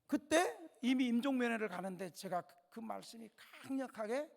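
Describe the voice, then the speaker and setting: A male pastor preaching a revival sermon, telling stories dramatically, dropping to a hush and then rising loud, and putting questions straight to the congregation. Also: very high-pitched, animated, normal speed, gravelly. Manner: dramatic storytelling, swinging between hushed and loud. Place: church sanctuary. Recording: long church reverb.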